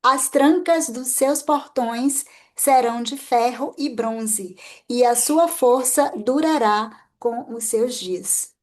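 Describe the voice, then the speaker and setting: Slow woman reading scripture aloud. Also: on the high side.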